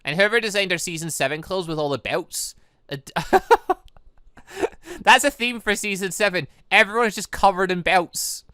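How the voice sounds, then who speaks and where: Very animated, bright-voiced gaming commentator. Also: mid-range voice, a little slow, clear, resonant tone, no room sound. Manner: animated, exclamatory, rambling asides. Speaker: gaming channel host. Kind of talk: playthrough commentary mixed with reading game dialogue aloud.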